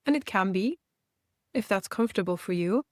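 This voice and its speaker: A woman guides a meditation in a gentle, instructional, and reassuring way, leaving unhurried space between her phrases. Her animated voice sits at an average female pitch, recorded very dry with little room sound and no echo.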